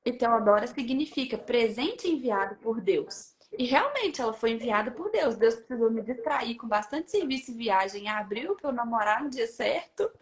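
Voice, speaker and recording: A woman shares a personal testimony in a high voice. She tells it in a lively way, acting out the people in the story and laughing often. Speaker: guest sharing a testimony. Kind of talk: animated storytelling.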